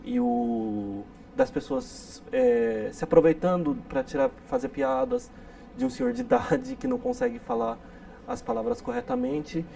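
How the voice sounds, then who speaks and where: A man from the interior of São Paulo, a guest speaking in a measured way and searching for his words. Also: very high voice, lively intonation, creaky, dark tone. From Brazil, interior of São Paulo. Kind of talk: casual interview talk. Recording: distant mic with faint noise.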